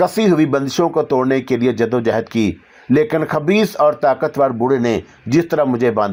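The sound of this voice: Reading in an unforced voice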